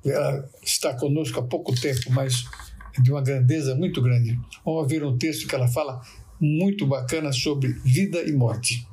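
A man's voice: medium pitch, steady tone, normal speed, a little mellow, slight background noise. A man hosting a weekly radio show, introducing a guest reader in a friendly, plain way.

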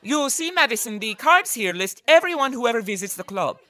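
A woman's voice: on the high side, very animated, brisk, sharp tone. A woman playing a courteous, formal club receptionist in an old-time radio comedy. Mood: polite. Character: polite club receptionist checking the membership cards.

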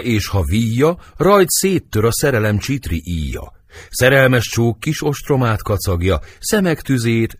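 A man's voice: on the low side, husky, dry recording. A man reading the part of Romeo, a brooding young nobleman in love, declaiming verse with sighing swings of feeling in an audiobook.

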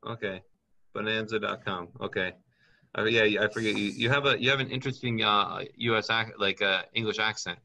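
A man's voice: lowish voice, fairly even intonation, fairly quick, gravelly, bright, forceful tone, highs cut off. A man working as a business consultant, talking in a chatty way and thinking aloud as he reads up on things during a call. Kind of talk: casual advice call.

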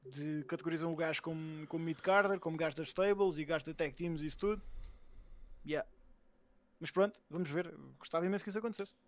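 Fast-talking Portuguese man, blunt and slangy. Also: fairly high pitch. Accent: European Portuguese. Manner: blunt, slangy, sweary, repeats himself. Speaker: podcast co-host. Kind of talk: casual banter and commentary.

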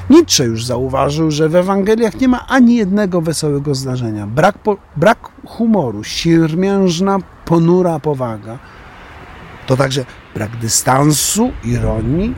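A man's voice: mid-range voice, a little mellow, slight background noise. An older man reading his opinion column on the radio, stressing key words with emphasis.

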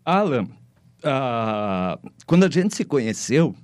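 A man's voice: medium pitch, big pitch swings, slow pace, no echo, clean studio sound. A man with a Brazilian accent hosting a casual podcast conversation, often checking in with little tag questions. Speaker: podcast host.

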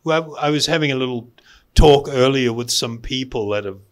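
A man giving a spiritual lecture as a teacher, speaking deliberately with pauses and repeating phrases for emphasis. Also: mid-range voice. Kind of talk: spiritual lecture to a live audience.

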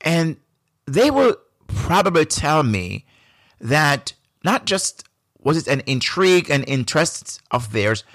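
A man's voice: fairly high pitch, very animated, fairly bright tone, no room sound. Jamaican man musing over a dry mic. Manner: reflective, unhurried, frequent restarts. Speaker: podcast host. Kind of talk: solo podcast monologue.

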